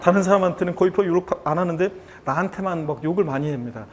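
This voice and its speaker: A man's voice: high voice, fast talker, slight background noise. A middle-aged man teaching an exam prep lecture, chatty and repetitive, often turning to his students. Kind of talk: recorded online lecture. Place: lecture studio.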